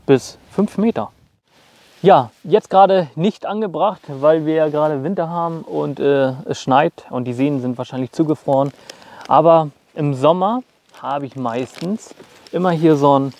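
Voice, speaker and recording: A man's voice: a little high, darkish tone, dry recording. A young man casually showing his outdoor gear, talking straight to viewers with plenty of fillers, recorded in snowy woods on a clip-on mic. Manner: chatty, lots of fillers, addresses viewers directly.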